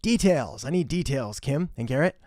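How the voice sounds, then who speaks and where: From his home in western Canada, a young man hosts a casual live-stream marketing Q&A, greeting viewers by name and handing out blunt, direct advice in a chatty way. His voice is mid-range and animated, with a darkish tone at a normal speed. It's a dry, studio-quality recording.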